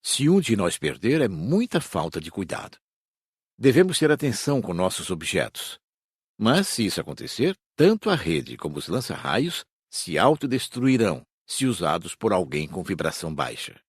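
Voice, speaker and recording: A man's voice: sits low, sing-song, moderate pace, breathy edge, no room sound, studio quality, exaggerated voice. A man with a Brazilian accent playing a firm, didactic spirit guide in an audiobook. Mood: calm, instructive. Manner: didactic, authoritative. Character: firm, instructive male spirit guide leading students. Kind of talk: audiobook character acting.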